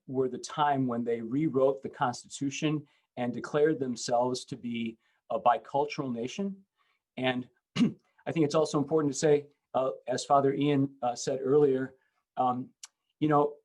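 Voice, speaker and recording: Halting middle-aged man, full of fillers. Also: medium pitch, poor audio. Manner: halting, many fillers and restarts. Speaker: bishop. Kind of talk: panel talk.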